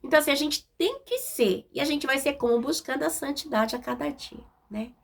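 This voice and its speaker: A woman's voice: sits high, fairly quick, creaky. A woman with a Brazilian Portuguese accent preaching a conversational sermon, direct and informal, often checking in with tag questions.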